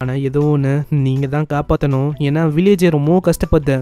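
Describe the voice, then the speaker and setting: A man's dark, mellow tone sits at a fairly high pitch, his intonation fairly even. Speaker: anime recap narrator. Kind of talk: anime story recap narration. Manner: casual, conversational.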